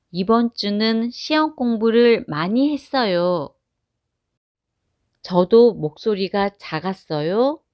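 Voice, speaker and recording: A woman reads short example sentences at a very slow, deliberate pace, spacing each one evenly for learners to follow. The sound is dry and a little dull, like a plain close recording. Her pitch sits in an ordinary middle range. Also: clean tone, dry recording. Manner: careful, evenly spaced phrase reading. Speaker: Korean phrase reader.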